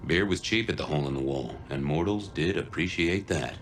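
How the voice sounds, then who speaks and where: A man's voice: very deep voice, expressive, a little fast, slight background noise. An actor playing a brooding detective who recounts his investigation as noir narration in a video game. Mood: reflective.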